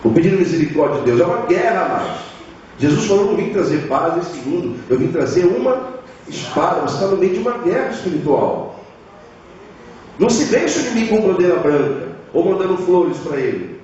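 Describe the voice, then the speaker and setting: A man's voice: a little high, sing-song, fairly quick, darkish tone, a little hiss or hum. Brazilian man preaching in an echoey hall. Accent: Brazilian Portuguese. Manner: preaching with dramatized voices of biblical figures. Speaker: pastor. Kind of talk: sermon. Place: church hall. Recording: echoey church hall, far mic, dull.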